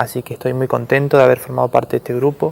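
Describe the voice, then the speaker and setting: A man speaks at a medium pitch. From Argentina, Catamarca. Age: 20s. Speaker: psychology student, program participant. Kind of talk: testimony.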